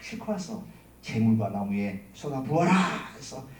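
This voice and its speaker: A man pastor preaching a sermon, telling a story dramatically and acting out shouts and quotes. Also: on the low side, sing-song, moderate pace. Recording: echoey room, mic at a distance.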